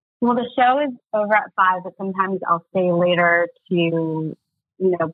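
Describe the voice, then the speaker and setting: A woman talks with an American accent in a fairly low pitch. She has a normal speaking voice with ordinary pitch variation. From Maryland, outside Washington DC. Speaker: TV news journalist. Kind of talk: casual interview. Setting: podcast recording.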